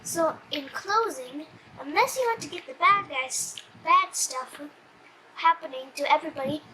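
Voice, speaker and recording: A child reading a comic storybook aloud in an animated, slightly stumbling way. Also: high-pitched, moderate pace, a crowd in the background, poor audio.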